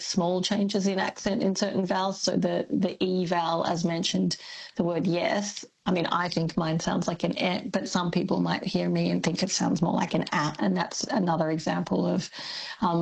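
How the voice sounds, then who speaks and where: A woman's voice: fairly low pitch, creaky, slightly rough, rough recording. An Australian woman from Melbourne who explains language topics as a radio guest, thoughtful and full of ums. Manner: thoughtful, with many ums and likes.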